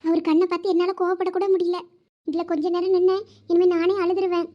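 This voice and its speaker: Woman doing a squeaky high cartoon wife, thoothukudi tamil accent, sulky and reproachful. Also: little pitch movement, fast, lo-fi sound. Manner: reproachful, insistent. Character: sulky hurt young wife, tearful and proud. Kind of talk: cartoon voice acting.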